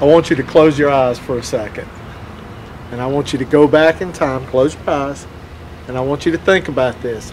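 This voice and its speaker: In a plain, everyday voice with fairly even intonation, a man speaks at a fairly quick pace over light background noise. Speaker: interviewer. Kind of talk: interview. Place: garden.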